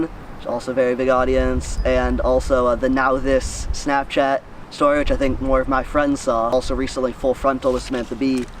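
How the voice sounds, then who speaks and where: A man's voice: mid-range voice, distant mic, low-quality recording. Teenage American guy, earnest, faint background noise. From United States, Missouri. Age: teenager, high school student. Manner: earnest, thinking aloud with repeated words. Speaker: student newsletter writer, interviewee. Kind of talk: casual interview answers.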